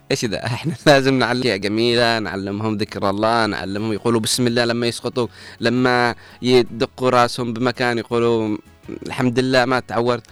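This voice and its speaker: Fast-talking man giving earnest advice. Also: medium pitch, steady tone, fairly bright tone, clear, resonant tone, faint music behind. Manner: earnest, preachy and moralizing. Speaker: radio presenter. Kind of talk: morning radio advice talk.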